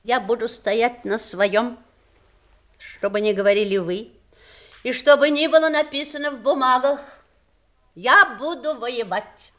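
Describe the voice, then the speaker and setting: Scornful widowed matriarch, high voice, slow deliberate delivery, cutting, theatrical audio drama. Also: female voice, a bit bright. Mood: stubborn, resolute. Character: imperious bitter widowed mother, scornful of her grown children. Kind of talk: stage drama acting for audio play.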